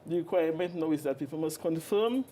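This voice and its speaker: A woman's voice: low voice, quick pace, dark tone, a little hiss or hum. A middle-aged woman with a Dominican Caribbean accent, giving formal answers as an official in an interview. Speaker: guest, social security official. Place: office, indoors. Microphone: lapel.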